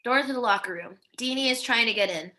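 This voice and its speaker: A woman's voice: fairly high pitch, quick pace, pushed and bright, low-quality recording. A woman narrating the stage directions of a screenplay at a table read.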